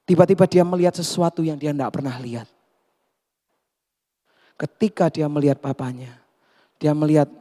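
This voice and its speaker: Pastor guy telling a sermon story, lively, acts out people, big hall echo. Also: on the high side. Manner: animated, acts out the characters. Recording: long hall reverb.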